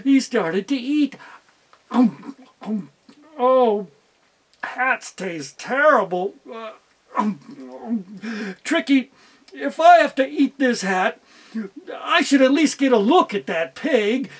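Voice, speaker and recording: A woman's voice: a little high, animated, slow, breathy edge, heavily acted. Woman doing a worried fox brother from a storybook, fussy and stammering. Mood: dismayed. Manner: stammering, fretful.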